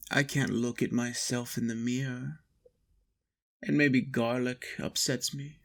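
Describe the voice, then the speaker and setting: A man playing a possessive, doting vampire master in an intimate roleplay monologue, coaxing and teasing with soft menace. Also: mid-range voice, vocal fry. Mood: smug, boastful.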